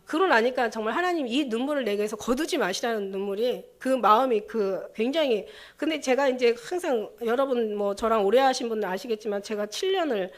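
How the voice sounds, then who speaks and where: A woman pastor preaching a sermon in an emotional, halting way, with many restarts. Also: a little high.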